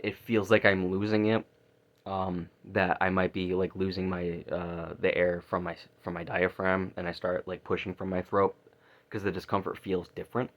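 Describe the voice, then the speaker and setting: A man talking casually in a video diary, halting and rambling, often repeating words and trailing off. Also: sits low. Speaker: vocal student keeping a practice diary. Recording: dull lo-fi recording.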